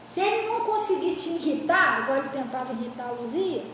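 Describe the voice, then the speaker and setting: A woman pastor preaching a storytelling sermon, animated and laughing, in a church. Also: high voice, fast, a little hiss or hum. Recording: echoey church hall, mic far off.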